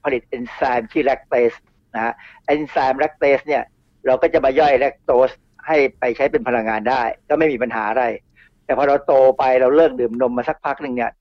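A man's voice: mid-range voice, normal speed, no echo. A middle-aged man, a toxicologist guest on a radio show, explaining in a chatty way with asides and repeats. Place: radio studio. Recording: dull radio studio sound.

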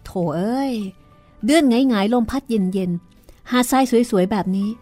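Lady reading as a bossy man lecturing, mellow voice, soft music behind. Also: a little high, animated, measured pace, voice pushed up. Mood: scolding. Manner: scolding, advising. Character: blunt older brother, man, lecturing.

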